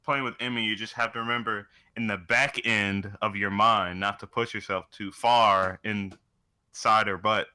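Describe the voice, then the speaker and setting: A man's voice: on the low side, steady tone, unhurried, sharp tone, clean tone. A man co-hosting a podcast, talking casually in a profane, joking style. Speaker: podcast co-host.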